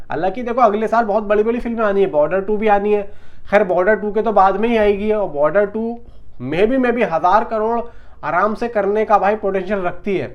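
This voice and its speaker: A man's voice: sits high, muffled recording. A man giving casual film news commentary in a conversational, emphatic, repetitive way, talking straight to his viewers.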